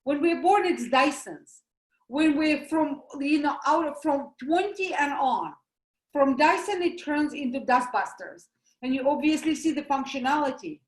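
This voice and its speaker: A woman with a Russian accent giving an animated, emphatic health talk, explaining things through everyday comparisons. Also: high-pitched, a little slow, reverberant, rough recording. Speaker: doctor giving a presentation.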